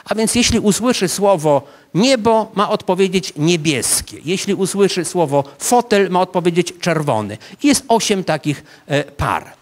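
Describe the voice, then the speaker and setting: A man in his fifties lectures a seated audience in an ornate hall, speaking into a handheld microphone. He has a fairly high voice for a man and walks his listeners through the scene like a story, addressing them directly. Small "e" hesitations break up his sentences. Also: expressive, moderate pace, hardly any pauses. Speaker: psychology professor lecturing. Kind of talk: public science lecture.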